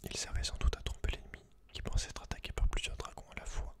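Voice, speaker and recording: Whispering Frenchman, soft ASMR delivery. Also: fast. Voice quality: breathy, unvoiced whisper. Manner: intimate, informal, addressing the listener directly. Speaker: ASMR video host. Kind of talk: whispered ASMR, reading a book aloud with casual asides.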